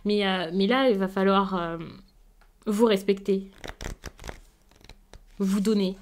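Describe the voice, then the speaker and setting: Gentle woman reading tarot cards. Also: mid-range voice, fairly even intonation, slow, a little hiss or hum. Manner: gentle, reassuring, with frequent hesitations. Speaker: tarot card reader. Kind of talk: casual tarot reading to camera.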